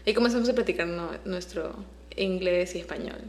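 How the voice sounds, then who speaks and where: A woman's voice: lowish voice, fairly quick. A young woman whose first language is Spanish, co-hosting a podcast in a chatty, teasing way. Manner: chatty and teasing, laughs often. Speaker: podcast co-host. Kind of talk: casual chat.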